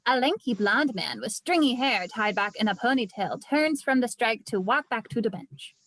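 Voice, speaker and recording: Woman narrator, high voice, dry sound, reading screenplay action aloud. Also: animated, normal speed, a bit bright, no echo, poor audio. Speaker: narrator reading stage directions. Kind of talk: scripted narration, table read. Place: indoors, remote online read.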